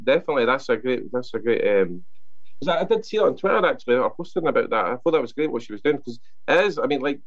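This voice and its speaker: A young man with a broad Scottish accent talks quickly and casually, stacking up fillers and restarting his sentences. His pitch sits at an ordinary middle height. The sound is dull and lo-fi. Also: very animated. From Scotland. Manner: chatty, many fillers and restarts. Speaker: author guest. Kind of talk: casual radio interview.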